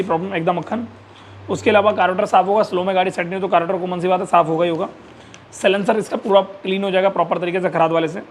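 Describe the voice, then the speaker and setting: Fast-talking, high-voiced mechanic man. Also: slight background noise. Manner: quick, informal, repeats points while pointing things out. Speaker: motorcycle mechanic and channel host. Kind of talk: casual workshop walkthrough. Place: motorcycle workshop.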